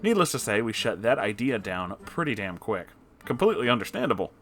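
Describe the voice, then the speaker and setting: Low-voiced man reading a story aloud. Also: very animated, a little fast, a bit bright, faint music behind. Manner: breaks off with disgusted reactions. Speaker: story reader. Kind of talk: reading an online post aloud with comments.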